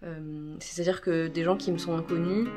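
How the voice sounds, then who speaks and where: A woman's voice: lowish voice, steady tone, normal speed, music in the background. A woman vlogger chatting casually to her followers, with a rambling, self-interrupting way of talking. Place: at home, kitchen.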